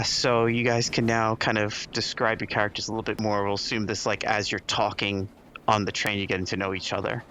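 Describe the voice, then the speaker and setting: A man's voice: fairly low pitch, bright, forceful tone, slight background noise. A man narrating a tabletop role-playing game as game master, casual and laughing often.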